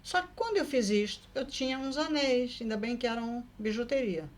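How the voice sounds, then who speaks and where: Lively woman telling a story. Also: a little high, a little fast. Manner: lively, acts out the people in her story; frequent tag questions. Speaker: vlogger telling personal stories. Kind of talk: casual storytelling.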